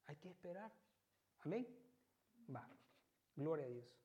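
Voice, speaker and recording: Lay preacher, male; relaxed, warm tone, keeps asking the congregation if they follow. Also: fairly high pitch, unhurried, lo-fi sound. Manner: conversational, constantly checks with listeners. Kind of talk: church sermon.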